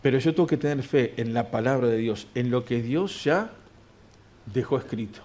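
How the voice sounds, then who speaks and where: A man's voice: medium pitch, animated, normal speed, a little mellow. Man preaching a sermon. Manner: reads scripture aloud, asks and answers his own questions. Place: church.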